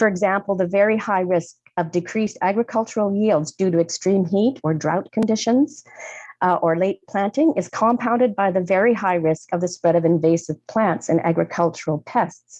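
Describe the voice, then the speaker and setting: A woman with a plain, everyday voice talks at a medium pitch and a moderate pace, her loudness very even and her pitch variation ordinary. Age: 60s. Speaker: public delegate at city council committee. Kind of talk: prepared public statement. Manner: formal.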